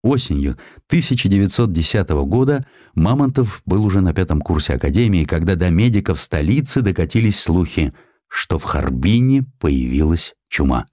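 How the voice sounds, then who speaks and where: A man reading historical prose as an audiobook narrator, in a measured, expressive, literary storytelling manner. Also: low-pitched, no room sound, studio quality.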